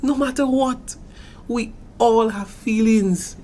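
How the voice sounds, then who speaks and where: A man's voice: very high voice, fairly even intonation, slow pace, dark tone. Guy acting flamboyant gay best friend, caribbean accent, sassy gossipy but caring, audio drama chat, some noise behind. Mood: sympathetic. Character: flamboyant, gossipy, sympathetic gay man, loyal confidant. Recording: noticeable background noise.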